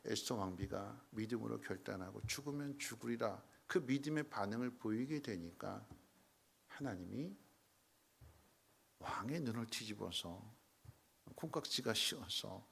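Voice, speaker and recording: A man preaching a sermon in a church, dramatic, with sudden loud emphatic peaks and rhetorical questions to the congregation. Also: lowish voice, lively intonation, measured pace, creaky, long pauses, slightly rough. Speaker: pastor. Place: church sanctuary.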